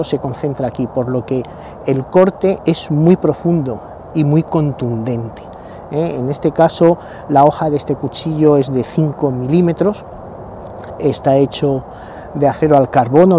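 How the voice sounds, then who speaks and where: Older man explaining gear outdoors. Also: medium pitch. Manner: explanatory, halting with fillers and repeats. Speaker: bushcraft channel host. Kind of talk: casual outdoor gear talk to camera. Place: sunny pine woods outdoors. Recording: noisy outdoor recording.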